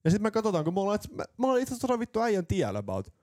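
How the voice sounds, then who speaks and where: A man from Turku tells joking anecdotes full of swearing in a casual podcast chat. His voice is mellow and dark, recorded dry and close. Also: high voice, huge pitch swings, dry recording. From Turku, Finland. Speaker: podcast co-host.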